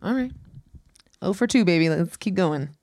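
A woman's voice: on the low side, animated, moderate pace, darkish tone, dry recording. A woman co-hosting a casual podcast chat, playfully guessing at slang words. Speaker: podcast co-host.

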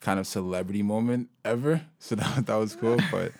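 A young man from Sudan, a local hip-hop artist, talking about his music in a relaxed, rambling way with many fillers and restarts. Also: lowish voice, fairly quick, no room sound. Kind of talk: casual interview conversation.

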